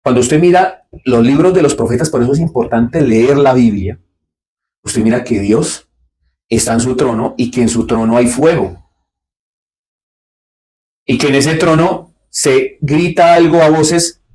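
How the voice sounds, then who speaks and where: Emphatic preacher man. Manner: emphatic, asks rhetorical questions and answers them himself; swings between low, quiet asides and sharp, raised points. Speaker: pastor. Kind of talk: Bible study sermon.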